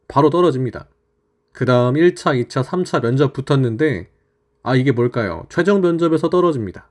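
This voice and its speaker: A man's fairly high voice, an ordinary speaking voice with ordinary pitch variation, over a quiet background. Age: 30s. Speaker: delivery rider YouTuber. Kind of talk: motivational talk to camera. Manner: earnest, direct.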